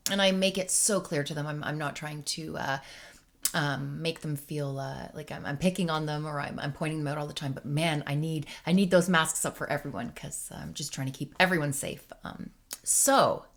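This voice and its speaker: A woman in her thirties, a teacher, talking casually and emotionally to her viewers in a rambling personal vlog with many fillers. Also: sits low. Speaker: teacher and vlogger.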